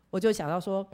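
A woman's voice: mid-range voice, dark tone. A woman telling her personal faith testimony in an earnest storytelling way, acting out the dialogue she quotes. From Taiwan. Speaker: church member giving testimony.

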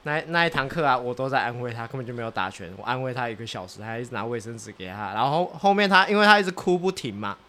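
A man's voice: medium pitch, lively intonation, fast, few pauses, bright, forceful tone. A man who coaches boxing, trading jokes and stories in a casual podcast chat. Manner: jokey, teasing banter.

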